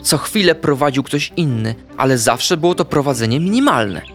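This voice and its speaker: Lively man reading a kids' story. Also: fairly high pitch, normal speed. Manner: expressive, playful storyteller. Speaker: narrator. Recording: faint background music.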